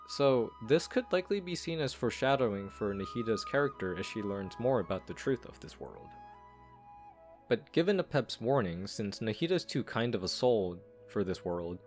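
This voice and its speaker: A man giving scripted video commentary as he reviews and analyses a game's story. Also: lowish voice. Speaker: game reviewer and lore commentator.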